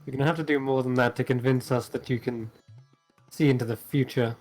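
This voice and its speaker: A man improvising in character as a tabletop game player, speaking in a halting, measured, matter-of-fact way. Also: medium pitch, fairly even intonation, a little mellow. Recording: music playing behind the voice.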